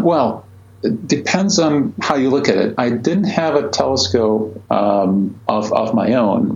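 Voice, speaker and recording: A man in his forties from Croatia speaks with a low, gravelly voice and keeps pausing on fillers and restarting his sentences. The recording sounds a little dull and muffled. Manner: hesitant, many fillers and restarts. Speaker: astronomer guest. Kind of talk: conversational interview answers.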